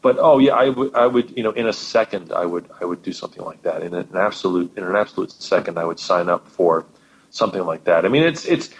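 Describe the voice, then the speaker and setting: A man's voice: sits low, lively intonation, fast talker, muffled recording. A man, a professional musician guest, chatting with enthusiasm and often repeating words as he thinks. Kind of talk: casual chat.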